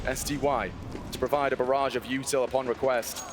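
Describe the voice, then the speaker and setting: A man working as an esports caster, calling live play-by-play with excitable, dramatic phrasing. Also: medium pitch, a little fast. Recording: noisy game audio behind voice. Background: gunfire and game sounds.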